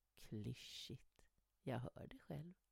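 A woman's somewhat breathy voice, dark and mellow in tone, in a dry, close sound with no echo. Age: 50s. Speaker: podcaster and short story author. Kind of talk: personal reflective monologue.

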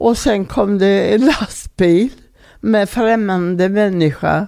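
On a very clean recording with a silent background, a woman talks at a medium pitch and a very slow pace. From Poland. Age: 90s. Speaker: Holocaust survivor. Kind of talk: testimony.

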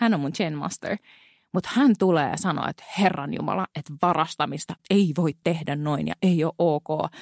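A woman talks at a moderate pace with ordinary pitch variation in an unremarkable speaking voice. The sound is dry and close, with no echo. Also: fairly low pitch for a woman. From Finland, Helsinki. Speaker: podcast host and influencer. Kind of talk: casual interview.

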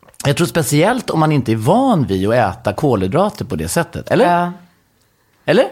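This man talks at a moderate pace with vocal fry. His pitch is fairly high and swings very widely. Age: 40s. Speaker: podcast host. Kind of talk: casual chat.

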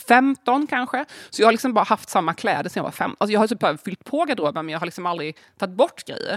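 Talking at a very fast pace, a woman with a fairly high pitch makes very wide pitch swings and big swings in loudness, with a dry, close sound and no echo. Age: 30s. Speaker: podcast host and novelist. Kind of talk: casual chat.

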